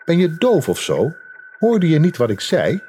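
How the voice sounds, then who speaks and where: A man's voice: on the high side, huge pitch swings, measured pace, dark tone, soft background music, pitched above the performer's own voice. A man voicing a rude, impatient little man who guards a lake and spits when he talks, in a storybook tale. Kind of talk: storybook character voice.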